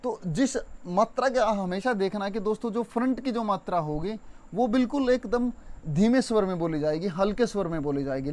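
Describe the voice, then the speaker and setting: A young man teaching an exam-prep Hindi spelling lesson, chatty and repetitive, stretching words slowly to show stress. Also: sits high, a little mellow. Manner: addresses viewers as friends, conversational.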